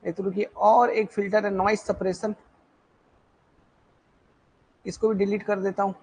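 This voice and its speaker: A man's voice: sits high, little pitch movement, a little fast, a little mellow, low-quality recording. A man teaching a live online exam-prep class on his own mic. He repeats himself and keeps checking in with his listeners. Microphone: own mic in a live online session.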